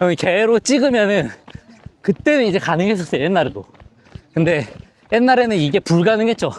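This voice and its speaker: A man's high-pitched voice with lively intonation at a fairly quick pace, noticeable background noise, and a dry, close sound with no echo. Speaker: hobby runner and running YouTuber. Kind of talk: casual chat.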